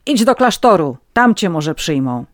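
A reader doing a harsh older master of the house, scornful and curt. The lines come slow and dry, in a close audiobook recording. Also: medium pitch, sing-song, no room sound, pitched above the performer's own voice. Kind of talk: audiobook reading.

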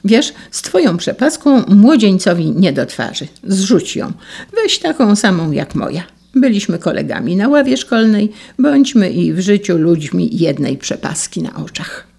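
A woman's voice: mid-range voice, sing-song, measured pace, creaky, dark tone, husky, full character voice. A woman reading the part of an ironic young man, a former schoolmate, in a storybook reading. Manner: ironic, teasing.

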